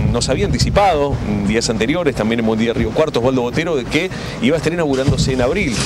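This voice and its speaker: A man talks at a very fast pace with ordinary pitch variation. The sound is dry with no echo, under loud background noise. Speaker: TV field reporter. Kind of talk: live news report. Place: street. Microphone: handheld.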